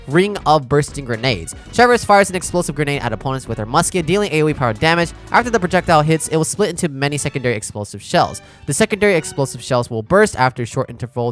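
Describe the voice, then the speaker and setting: Male streamer, casual game commentary, very lively pitch swings, chatty with his audience. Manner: animated, informal, talking to chat. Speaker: streamer reacting to a game character preview. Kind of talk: casual live reaction commentary.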